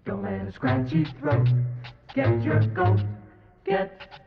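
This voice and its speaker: A man's voice: a little high, huge pitch swings, slow pace, soft background music. A man singing a 1950s radio advertising jingle on a muffled old recording.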